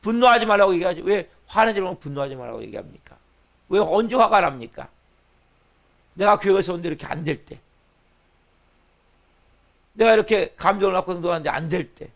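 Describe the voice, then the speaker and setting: Gravelly high-voiced man preaching. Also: lively intonation, fairly quick, pauses often. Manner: preaching with constant rhetorical questions to the congregation; sudden swings between loud emphasis and soft asides. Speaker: pastor. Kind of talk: early-morning sermon.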